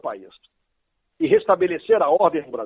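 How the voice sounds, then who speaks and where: A man speaks at a moderate pace. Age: 60s. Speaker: jurist and law professor. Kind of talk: political interview. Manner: emphatic.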